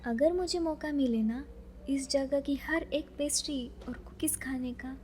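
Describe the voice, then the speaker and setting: A woman playing a chatty, dreamy young librarian who is easily flustered, musing softly to herself in an audio romance drama. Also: sits high, unhurried, a little hiss or hum. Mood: dreamy, content.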